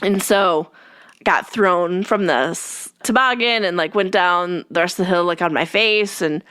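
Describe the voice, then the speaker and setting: Smooth-voiced woman podcast host, slightly stuffy. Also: fairly low pitch, a little slow, a bit bright, dry recording. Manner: rambling, filler-heavy, friendly. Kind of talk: casual chatty podcast talk.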